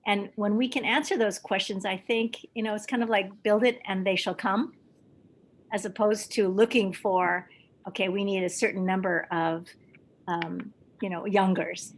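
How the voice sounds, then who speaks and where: An older woman from Hawaii, speaking in a meeting with many pauses, ums and restarts. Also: mid-range voice, steady tone, a little hiss or hum. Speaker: club member at a video meeting. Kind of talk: hesitant casual remarks.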